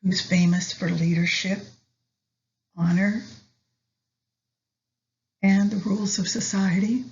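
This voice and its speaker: A woman leading a guided meditation in a soft, soothing manner with long pauses between phrases. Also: mid-range voice, fairly even intonation. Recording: slightly dull lo-fi recording.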